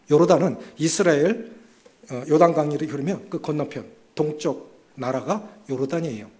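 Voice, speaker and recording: Male pastor, church sermon, higher-set voice with a very lively melodic range, shifts between emphatic and soft. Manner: lively delivery, dropping to soft asides and rising for emphasis. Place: church sanctuary.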